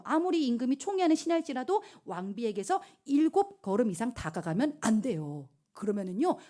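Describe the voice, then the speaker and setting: A woman pastor preaching to a youth group, retelling a Bible story with lively storytelling. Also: on the high side. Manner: animated storytelling, acts out characters.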